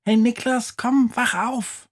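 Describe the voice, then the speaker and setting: A man voicing a plucky female mouse sidekick in a storybook reading, with a high, squeaky, husky voice. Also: fairly even intonation, slow, heavily acted. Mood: urgent. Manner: high squeaky urgent calls.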